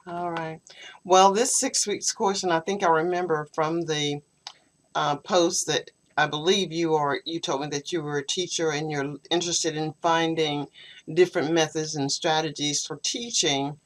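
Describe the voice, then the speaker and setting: A woman with a notably low voice, tutoring English over a video call from home. She explains patiently and at length, laying out her methods step by step. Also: fairly even intonation. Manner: explanatory, measured. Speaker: English teacher. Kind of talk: online tutoring session. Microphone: computer video call microphone.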